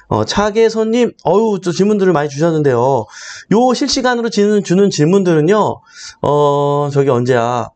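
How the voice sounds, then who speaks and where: A man hosts a live stream in a casual, chatty way, bantering playfully with his viewers. His voice sits high for a man. It swings up and down with lively intonation. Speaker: live-stream host and real-estate auction mentor.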